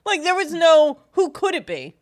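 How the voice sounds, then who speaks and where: A woman co-hosting a comedy podcast, giggling and halting as she restarts her sentences. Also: very high voice, big pitch swings. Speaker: podcast co-host. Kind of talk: casual comedy podcast chat.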